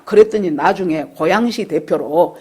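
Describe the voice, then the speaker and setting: A woman pastor delivers a Sunday sermon in a husky, slightly breathy voice. She preaches in a storytelling way and acts out the voices of the people in her stories. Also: fairly low pitch, normal speed, a little mellow. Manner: storytelling, acting out quoted dialogue. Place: church service.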